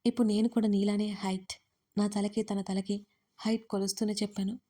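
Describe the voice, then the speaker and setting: A woman tells a first-person audio story in a close, conversational manner. Her voice is warm and mellow, and her pitch stays level with little rise and fall. The telling is unhurried and personal. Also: flat delivery. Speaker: author and narrator.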